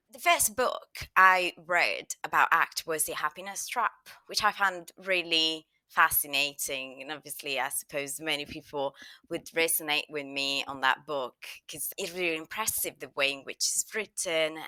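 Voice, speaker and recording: A woman's very deep, low voice with an Italian accent, bright and sharp in tone, at a fairly slow pace with ordinary pitch variation and big swings in loudness, in a dry, close, echo-free, very clean recording with a silent background. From Italy. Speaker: psychology researcher. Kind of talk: casual interview chat.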